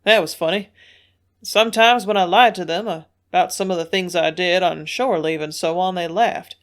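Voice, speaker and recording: Woman reading as a gruff sailor man, loud, blunt, rough-edged. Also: mid-range voice, moderate pace, lightly acted.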